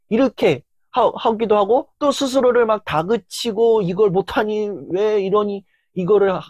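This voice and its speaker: A lecturer giving a motivational talk while filming, their voice worn down after hours of recording, speaking earnestly and acting out inner voices in sudden loud bursts. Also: mid-range voice, slightly rough, dry recording. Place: filming session.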